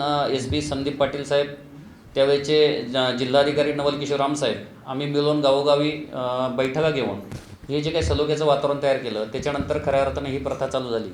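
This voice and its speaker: A man, the president of a local committee, giving a halting news interview statement with frequent fillers and long lists. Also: fairly high pitch. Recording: echoey room with faint ambient noise.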